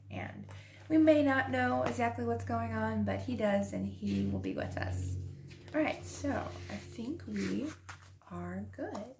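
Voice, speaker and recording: Chatty lady decorating her planner, hoarse and fading voice, gravelly fry, keeps dropping to a whisper. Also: medium pitch, slight background noise. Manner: soft-spoken, drifting into whispers; chatty, laughs often. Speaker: planner and journaling vlogger. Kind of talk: casual chat while decorating a planner.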